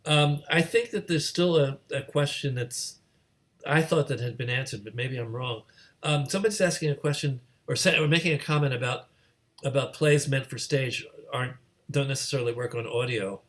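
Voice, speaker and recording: A man with a medium-pitched voice moderates an online question session. He talks casually, hesitating and meandering as he works through questions over a video call. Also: normal speed. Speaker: host, moderator.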